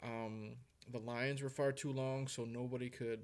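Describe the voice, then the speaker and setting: Monotone, flat intonation marks a man's medium-pitched voice as he speaks at a moderate pace. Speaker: horror vlogger. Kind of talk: livestream chat. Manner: halting, stuttering; casual, rambling.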